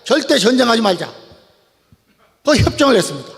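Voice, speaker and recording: An older man giving a rousing, booming political speech to an audience, emphatic and drawing out his phrases. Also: sing-song, a little fast, creaky, breathy edge. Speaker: public speaker, retired general. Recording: long hall reverb.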